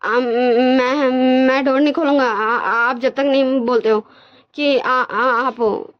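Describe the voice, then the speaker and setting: A woman's voice: high-pitched, fairly even intonation, takes it slowly. A woman voicing a timid young married man who stammers and pleads, tearful and scared, in a dull lo-fi recording. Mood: scared pleading.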